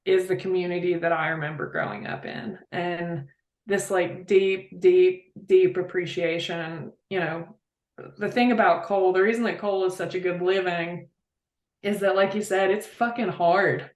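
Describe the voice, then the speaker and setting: A woman's voice: fairly low pitch, steady tone, a little slow, roomy sound. A woman from West Virginia, talking as a guest in a casual interview, heartfelt and rambling, with many fillers. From Appalachia, West Virginia.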